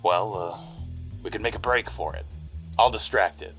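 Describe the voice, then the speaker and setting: Deep male voice, hard-boiled gumshoe, weary, brooding, sardonic, music underneath. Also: normal speed, vocal fry, a bit bright. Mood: resolute, uneasy. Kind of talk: noir radio drama acting.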